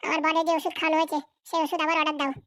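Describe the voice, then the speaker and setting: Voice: high-pitched, flat delivery, rapid-fire, fairly bright tone, no room sound, clean studio sound. A performer voicing a ruthless, ambitious, bossy wife and mother in a Bangla comedy cartoon, scheming coldly.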